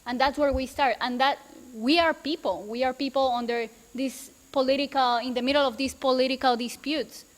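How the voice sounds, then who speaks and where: A woman's voice: high voice, fairly even intonation, brisk, few pauses. A woman on a debate panel talking persuasively and idealistically, repeating phrases for emphasis. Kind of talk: spontaneous persuasive panel talk. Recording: echoey hall, long reverb.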